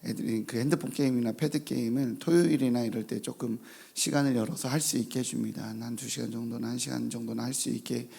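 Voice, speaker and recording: A male pastor giving an early-morning sermon in a church. He reads scripture slowly and carefully, then tells family stories in a relaxed, chatty way. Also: medium pitch, gravelly, husky. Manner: slow, measured scripture reading, then relaxed anecdotal storytelling. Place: church sanctuary with congregation.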